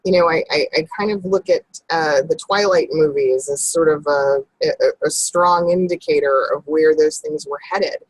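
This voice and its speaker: A woman voiceover coach chatting casually in an interview, animated, with big upward jumps in pitch when she stresses a point. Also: normal speed, few pauses, dry recording, poor audio.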